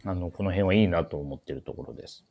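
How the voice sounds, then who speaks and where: A man hosting a menswear shop radio show, talking casually and politely about clothes, often pausing to think aloud. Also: low-pitched, narrow, tinny audio. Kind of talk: casual radio-style talk introducing clothes.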